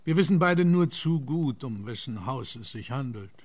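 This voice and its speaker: An actor playing an earnest, sober gentleman telling a story in a measured, serious way in a radio drama. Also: mid-range voice, lively intonation, lightly acted. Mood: grave. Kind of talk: German radio play acting.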